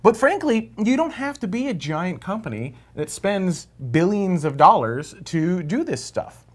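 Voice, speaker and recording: A man's voice: high-pitched, big pitch swings, unhurried. A man from Minnesota with a Minnesotan accent, co-hosting a live space podcast in a rambling, chatty way full of fillers. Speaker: podcast co-host. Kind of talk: casual live show chat.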